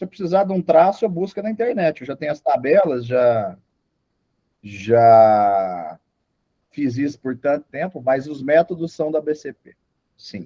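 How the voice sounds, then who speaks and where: Recorded dry and close with no echo, a man with a dark, mellow tone speaks at a fairly slow pace, with very wide pitch swings, big swings in loudness, and long, frequent pauses. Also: fairly high pitch for a man. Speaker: professor. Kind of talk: online lecture with Q&A. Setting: video call class with chat.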